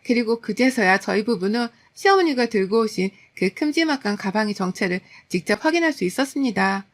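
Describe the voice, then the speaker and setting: A woman in her thirties narrating a first-person story in a steady, aggrieved, confiding tone. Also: medium pitch, a little fast. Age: 30s.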